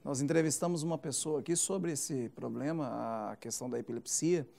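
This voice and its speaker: A man's voice: mid-range voice, normal speed, vocal fry, mellow. A man who is a pastor hosting a Christian TV interview program, talking emphatically and turning to viewers with preacherly asides. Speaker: pastor, TV show host.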